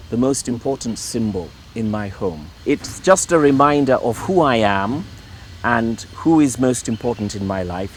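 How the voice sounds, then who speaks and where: Here a Catholic priest from Ireland, middle-aged and medium-pitched, talks casually as an interviewee in his own home. He hesitates often, repeating words and using fillers, over slight background noise.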